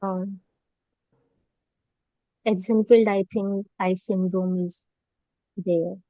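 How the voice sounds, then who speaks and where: A woman with a South Asian accent giving halting, deferential answers as a trainee in an oral exam on a webinar call. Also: medium pitch, fairly even intonation, dry recording. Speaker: medical trainee being examined. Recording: dull, muffled dry online audio.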